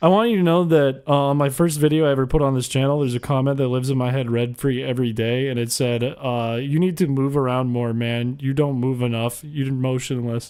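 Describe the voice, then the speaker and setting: Fairly quick and with hardly any pauses, a man talks at medium pitch. His intonation stays fairly even. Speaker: streamer. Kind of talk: casual chat. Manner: monotone, then sudden pitch jumps.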